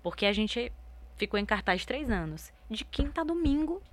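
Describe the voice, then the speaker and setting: A woman from Northeast Brazil, a singer guest telling stories in a lively, expressive casual interview. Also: a little high, moderate pace.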